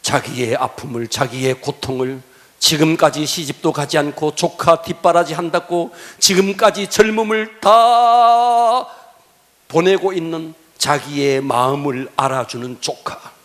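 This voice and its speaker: A middle-aged male pastor telling a story in a sermon, dropping to hushed whispers and then rising to emphatic lines. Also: on the high side, steady tone, moderate pace. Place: church sanctuary.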